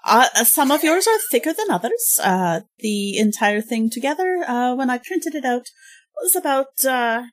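A woman's voice: sits high, sing-song, normal speed. A woman voicing a stiff older female government agent with a slipping French accent, formal and hesitant in a tabletop game. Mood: prim. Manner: formal and prim, with hesitant uh's. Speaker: player. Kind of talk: in-character tabletop roleplay.

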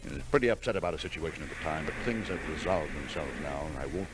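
Hesitant, very deep-voiced man. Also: expressive, noisy background. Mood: awkward, apologetic. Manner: halting, evasive. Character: hesitant, uneasy male client backing out. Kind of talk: 1940s radio drama acting. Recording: old radio recording, music behind.

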